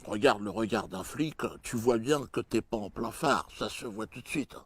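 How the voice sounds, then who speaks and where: A man performing a stand-up comedy routine in a crude, mocking way, jumping suddenly in pitch and loudness. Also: expressive, normal speed, creaky, slightly rough, no echo.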